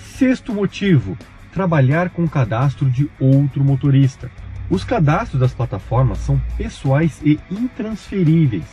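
Faint music plays behind a man's voice. He talks at a fairly slow pace. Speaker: rideshare driver channel host. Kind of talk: explainer vlog talk. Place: car. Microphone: phone near.

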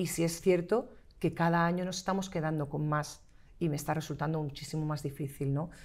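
Speaking at a fairly quick pace, a woman uses a very deep, low pitch with fairly even intonation. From Spain, Pilas (Seville, Andalusia); Andalusia, Spain. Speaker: film director and festival organizer; guest. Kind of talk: interview. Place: studio. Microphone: lapel.

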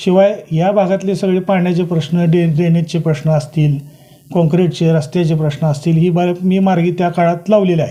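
Over noticeable background noise, a man speaks in a high pitch with very even loudness. His intonation stays monotone and flat. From Pandharpur, Maharashtra, India. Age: 40s. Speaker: local politician. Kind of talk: interview. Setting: on location in his ward.

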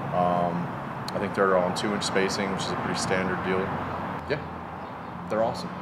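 The speech moves at a fairly quick pace against loud background noise. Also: man. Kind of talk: casual explanation. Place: workshop.

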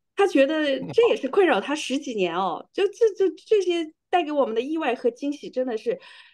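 A woman speaks in an animated tone at a high pitch, with very wide pitch swings. The background is quiet. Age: 50s. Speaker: anti-aging business operator; guest. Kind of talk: testimony. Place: home room. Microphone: video call.

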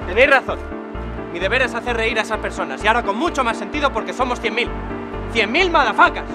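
Over clear background music, a man speaks in a raised, projected voice at a very fast pace with ordinary pitch variation. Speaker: video creator. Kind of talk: casual vlog chat. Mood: grateful, joking. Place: street.

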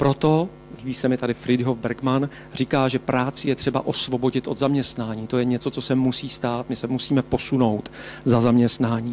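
A man keeps his mid-range pitch flat and monotone while talking at a middling speed. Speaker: author and lecturer. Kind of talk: lecture. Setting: small room, livestreamed lecture. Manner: halting.

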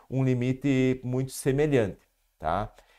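This man has a dark, mellow tone at a medium pitch and speaks at a fairly slow pace. The background is quiet. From Brazil. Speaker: personal finance YouTuber. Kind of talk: online video explainer. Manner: urgent, emphatic. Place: studio.

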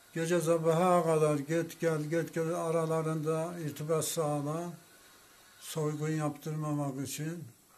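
A man's fairly high voice, monotone and flat, at a very slow pace. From Tokat, Turkey; Turkey. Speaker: retired gendarmerie sergeant. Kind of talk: casual interview. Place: home room. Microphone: phone near.

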